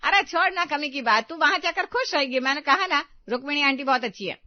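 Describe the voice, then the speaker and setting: A woman's voice: fairly high pitch, moderate pace, dry recording, natural voice. A woman playing a bossy mother-in-law. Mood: commanding. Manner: bossy, commanding. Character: stubborn middle-aged mother-in-law. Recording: dull dry studio audio.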